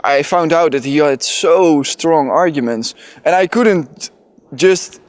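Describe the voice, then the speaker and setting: A young man with a fairly high voice speaks casually and candidly, stumbling over words now and then. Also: takes it slowly, no echo. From Netherlands. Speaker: interviewee. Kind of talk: conference vox-pop interview.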